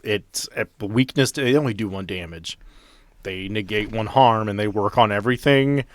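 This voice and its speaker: A man's voice: fairly low pitch, moderate pace, dry recording. Blunt, sweary male tabletop gamer, dry sound. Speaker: tabletop game player. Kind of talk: casual game talk, narrating his character's actions.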